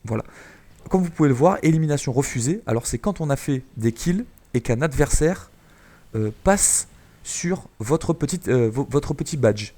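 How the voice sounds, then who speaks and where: Male gaming commentator from France, mid pitch, warm mellow tone, chatty and explanatory, hesitant fillers. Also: expressive, moderate pace. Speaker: gaming YouTuber. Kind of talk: gameplay commentary.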